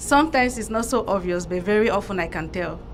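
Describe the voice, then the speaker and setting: Music plays in the background while a woman speaks with a non-native accent. Room echo is audible. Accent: foreign. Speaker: student, audience member. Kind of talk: audience question.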